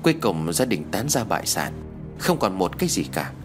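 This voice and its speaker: Man reading village gossip woman, ominous, hushed, lively pitch, music underneath. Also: normal speed. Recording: background music.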